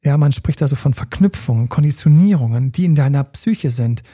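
A man's voice: mid-range voice, lively intonation, a little fast, mellow, slightly rough, no echo, clean studio sound. A man giving relationship coaching in a podcast monologue, talking straight to his listeners in a direct, informal way.

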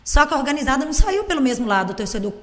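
A woman, a teacher and football fan, telling stories in a casual chat, animated and swearing freely. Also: high voice, racing. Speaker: guest. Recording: hall reverb.

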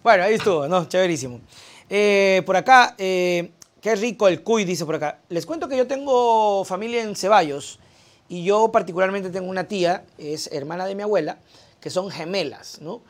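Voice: mid-range voice, normal speed. A co-host, telling a family story in casual chat. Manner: chatty, anecdotal.

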